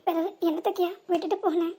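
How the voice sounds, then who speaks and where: A woman's voice: very high voice, steady tone, quick pace. A woman voicing a worried, tender older mother in a cartoon comedy, with a southern Tamil Nadu accent and a pleading, self-reproaching way of talking. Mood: pleading, remorseful.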